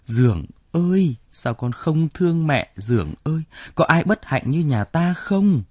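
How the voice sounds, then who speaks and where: A man's voice: medium pitch, expressive, moderate pace, dark tone, breathy edge, no room sound, studio quality. A man voicing a distraught aging village mother in an audiobook, his voice raised and pleading. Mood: wailing. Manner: wailing, pleading.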